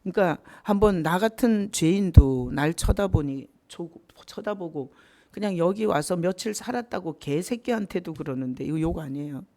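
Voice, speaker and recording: A man's voice: high-pitched, expressive, normal speed, a little mellow. A man who is a pastor, teaching a Bible study in a conversational way, with frequent rhetorical questions and asides.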